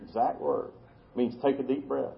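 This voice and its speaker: A man's voice: medium pitch, steady tone, moderate pace, vocal fry, muffled recording. A man preaching a sermon to his congregation, folksy and conversational, with asides to the folks in the pews. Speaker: pastor.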